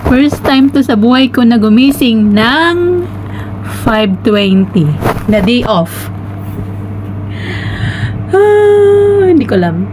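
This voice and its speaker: Brief: young Filipino woman vlogger, fairly high voice, giggly and rambling, sleepy, phone mic with loud traffic noise behind. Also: very animated, slow pace, long pauses. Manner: chatty, giggly storytelling with many fillers. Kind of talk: casual vlog chat.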